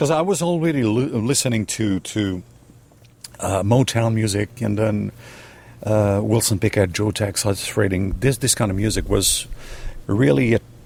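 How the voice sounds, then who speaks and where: A man with a French accent talks at a moderate pace and a fairly low pitch. His loudness stays very even. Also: ordinary pitch variation. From rural Quebec, Canada. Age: 60s. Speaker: bass player. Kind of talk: interview. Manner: halting.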